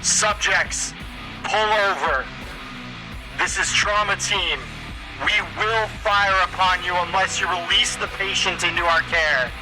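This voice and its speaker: A man voicing a stern armed response officer who gives commanding orders through a booming, amplified vehicle loudspeaker in a tabletop game. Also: fairly even intonation, takes it slowly, music in the background, poor audio. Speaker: game master.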